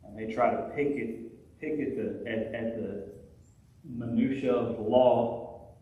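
A man's voice: medium pitch, fairly even intonation, slow, mellow. Young male pastor, impassioned sermon delivery with big upward swings, recorded from a distance in a very reverberant hall. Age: young adult. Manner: impassioned preaching, voice climbing sharply on emphatic points. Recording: very echoey hall, distant mic, faint noise.

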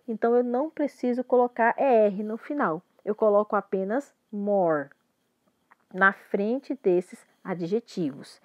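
A woman's voice: on the high side, dry recording, lo-fi sound. A woman with a Brazilian Portuguese accent teaching an English grammar lesson, patiently explaining and often checking that students follow. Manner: patient, repeats and checks understanding.

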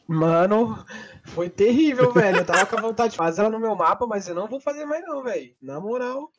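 A man's voice: high voice, expressive, brisk, low-quality recording. A man playing along as a guest, panicking and joking in slangy casual chat. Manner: panicky, slangy, repeats words. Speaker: guest player.

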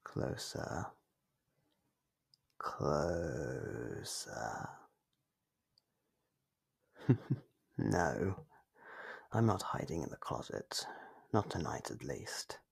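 A man voicing an ancient monster under the bed in an ASMR roleplay, playful, taunting and menacing, with a breathy, gravelly half-whisper. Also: extremely low pitch, big pitch swings, heavily acted. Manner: slow, teasing, menacing.

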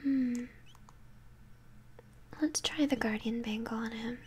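A young woman whispers gently and breathily into a close mic, commenting on a game she plays in ASMR style. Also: a little high, slight background noise. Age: young adult. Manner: gentle, unhurried murmuring. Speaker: game streamer. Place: small indoor room at home. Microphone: close microphone. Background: game music.

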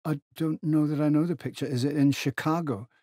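A man voicing a stiff, easily affronted literary gentleman in a novel, with an affected, hesitant manner. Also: mid-range voice, steady tone, a little slow, slightly rough, no echo, clean studio sound, pitched above the performer's own voice. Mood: uncertain.

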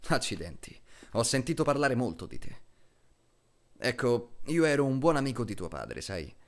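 A man playing a solemn middle-aged military officer in a film dub, speaking to a child in a measured, deliberate way with dramatic pauses. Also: mid-range voice, sing-song. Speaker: voice actor dubbing a film character.

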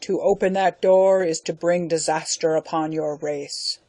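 A woman reading the part of a dying alien overlord, speaking slowly in a gasping, bitter way. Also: medium pitch, dark tone, husky, no room sound, voice pushed up, full character voice. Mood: commanding.

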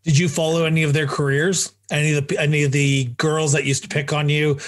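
A man's voice: a little high, little pitch movement, a little fast. A man hosting a podcast interview, asking long, supportive questions that circle back on themselves. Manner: supportive, rambling questions with restarts. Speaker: podcast host. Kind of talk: casual interview.

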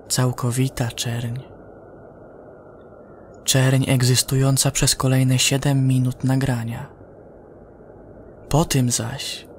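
Slow, measured male horror narrator. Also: medium pitch, a little hiss or hum. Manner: measured, with dramatic pauses. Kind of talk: scripted horror sci-fi narration.

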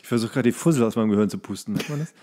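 Male co-host, medium pitch, loose comedic podcast chat, teasing and incredulous. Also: racing, mellow. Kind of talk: casual comedic banter.

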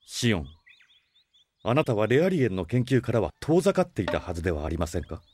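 A man playing a gentle, worried older brother in an audio drama, lecturing with formal politeness. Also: lowish voice, big pitch swings, fast talker, slightly rough. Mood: concerned, reproving. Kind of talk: Japanese audio drama acting.

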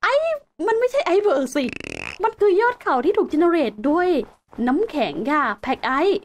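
High, lively woman gaming commentator. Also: normal speed. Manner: chatty and exclamatory, talks to viewers while exploring. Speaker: game host. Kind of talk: casual Let's Play commentary.

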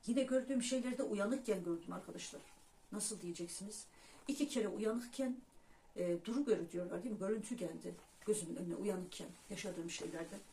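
A woman hosting her own spiritual vlog, talking in an unhurried, personal way and pausing on fillers as she speaks to her viewers as friends. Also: medium pitch, mellow. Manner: hesitant fillers between phrases. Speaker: YouTube channel host. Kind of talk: casual spiritual vlog monologue. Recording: distant mic with faint background noise.

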